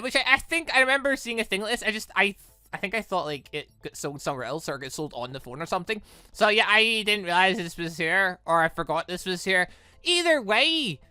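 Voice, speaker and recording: A man's voice: sits high, pushed and bright, smooth, no room sound. A man giving casual, rambling commentary as he hosts a gaming playthrough, often interrupting himself. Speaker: gaming video host.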